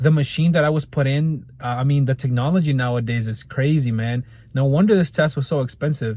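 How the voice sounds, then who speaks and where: At a fairly quick pace, a somewhat breathy man with a medium pitch talks with fairly even intonation on a very clean recording with a silent background. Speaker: vlogger. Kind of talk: vlog. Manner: soft-spoken.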